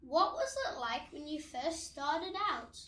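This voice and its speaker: A woman's voice: high-pitched, lively intonation, slow, bright, forceful tone. A woman hosting an interview, delivering a scripted introduction and prepared questions. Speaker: interviewer and host.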